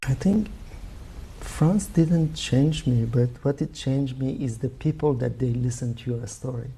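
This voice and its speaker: A man from Iran speaks with a Persian accent in a very dark, gravelly voice that has a husky edge. He pauses often and muses his way through answers as an interview guest. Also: medium pitch, poor audio. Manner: thoughtful, halting, frequent uh fillers. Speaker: filmmaker guest.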